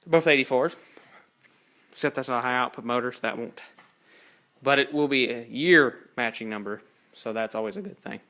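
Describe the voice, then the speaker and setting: A young man of eighteen records his home garage car build on a handheld phone, talking plainly, rambling and fixing his own words. His medium-pitched voice sounds pushed and bright, moving at a moderate pace with frequent pauses.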